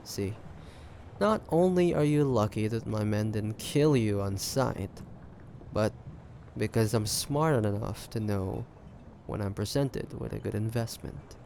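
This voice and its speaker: Guy acting as smug pirate captain, gravelly and unhurried, sly taunting roleplay talk, bit of background noise. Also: fairly low pitch, a little mellow. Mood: calculating persuasion. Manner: taunting, deliberate, conspiratorial, with dry chuckles. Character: ambitious, shrewd, smug male pirate captain. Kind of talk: roleplay audio drama monologue addressed to listener.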